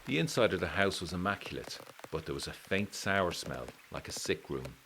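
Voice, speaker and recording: A man's voice: low-pitched, very animated, moderate pace, heavily acted. A man playing an anxious, educated letter-writer in a gothic 1920s audio drama, narrating in an urgent, literary way. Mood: tense recounting. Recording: heavy rain and vehicle noise behind. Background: loud rain, vehicle.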